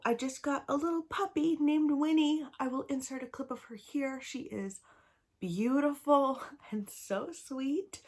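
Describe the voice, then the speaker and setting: A Canadian woman in her thirties, a book vlogger with a mid-range voice, chats casually to camera about books she wants to read. She rambles, sounds a little tired, and is slightly snuffly from a cold.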